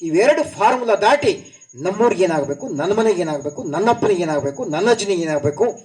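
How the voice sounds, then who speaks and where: A man's voice: high-pitched, a little fast, recorded from a distance, rough recording. A man giving a devotional discourse to an audience, moving into folk tales and acting out their voices. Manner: animated, storytelling with acted voices. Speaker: speaker at a discourse series. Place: hall at a public function.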